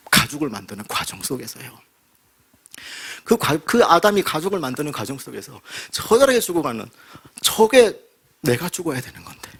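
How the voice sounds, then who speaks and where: A man, a pastor, preaching a sermon with vivid storytelling and rhetorical questions, dropping to a hush and rising again. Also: medium pitch, breathy edge. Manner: dramatic storytelling, rhetorical questions, swings between loud and hushed. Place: church sanctuary.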